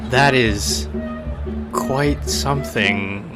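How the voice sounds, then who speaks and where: Man acting a slow-spoken, gentle dwarf artist. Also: mid-range voice. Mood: polite, measured. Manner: measured, mild, dreamy. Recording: music under the voice.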